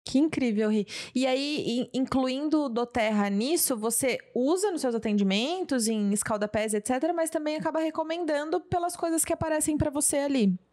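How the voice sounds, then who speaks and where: A woman hosts a casual interview in a fairly high voice. She reflects thoughtfully on her guest's words and keeps affirming her. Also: a little fast, hardly any pauses, darkish tone. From Brazil.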